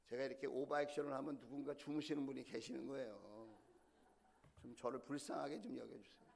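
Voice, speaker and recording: A man's voice: mid-range voice, steady tone, a little fast, creaky. A middle-aged male senior pastor delivering a sermon, telling stories with animation and putting questions to the congregation.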